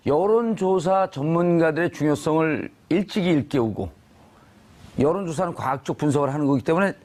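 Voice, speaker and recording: A man's voice: a little high, brisk, darkish tone. A man hosting a live panel talk, bantering with his guests and teasing them with provocative, joking questions. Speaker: talk show host.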